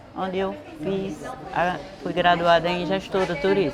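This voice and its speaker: Over music in the background, a woman speaks with audible room echo. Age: 60s. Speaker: senior university student. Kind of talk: interview.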